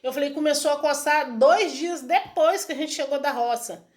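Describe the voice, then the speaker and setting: A woman's voice: high voice, moderate pace. A woman telling a casual testimonial to camera in a chatty, repetitive way, retelling conversations. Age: adult student. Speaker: vlogger sharing a home remedy.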